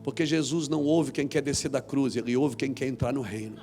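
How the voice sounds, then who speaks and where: A man preaching a sermon as pastor, acting out scripture voices and swinging from quiet talk to shouts. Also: medium pitch, fairly quick, music in the background. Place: church hall.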